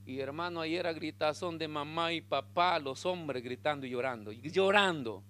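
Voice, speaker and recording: A man preaching a sermon as pastor, telling a story in an animated way and calling his listeners brother. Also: a little high, normal speed.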